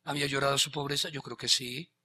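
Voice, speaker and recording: A man pastor, preaching a sermon with animated bursts of shouting and quiet asides. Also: medium pitch, fast talker, slight background noise.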